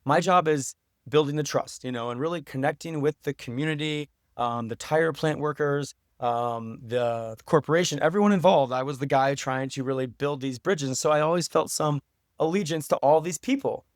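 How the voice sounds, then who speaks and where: An American man with a slightly high voice gives a conversational interview. He explains things earnestly, like a documentary director telling a story, and repeats phrases for emphasis. The sound is fairly dry and close. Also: moderate pace, no echo. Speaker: podcast guest, documentary director.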